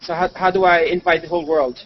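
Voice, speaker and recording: A video blogger with a fairly high voice and fairly even intonation talks fast while live-streaming on his way to a convention, full of fillers and restarts. He walks through a busy convention and a monorail, picked up by a head-mounted display mic. The stream is dull and lo-fi, with a little hiss or hum and a crowd in the background.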